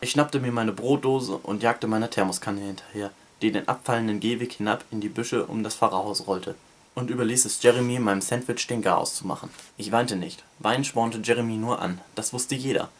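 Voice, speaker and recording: A man who reviews books, reading a novel excerpt aloud in a steady, even narration. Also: lowish voice, a little fast.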